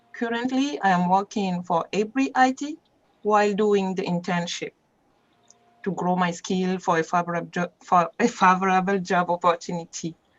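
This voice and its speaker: In a French accent, a woman speaks at a medium pitch. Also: ordinary pitch variation, moderate pace. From Cameroon. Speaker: IT intern. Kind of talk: mock job interview self-introduction. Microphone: video call.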